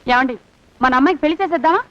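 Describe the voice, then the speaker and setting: A woman's voice: sits high, racing, a bit bright, no room sound. An actress playing an insistent woman who claims to be a man's wife from a past life, bossy and affectionate. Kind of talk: Telugu film comedy acting. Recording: slightly dull film soundtrack.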